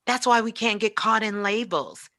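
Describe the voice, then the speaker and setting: Bright-voiced woman giving emphatic spiritual talk. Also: medium pitch, moderate pace, dry recording, clean studio sound. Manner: emphatic, repeats phrases for effect. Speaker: spiritual teacher and show host, as guest.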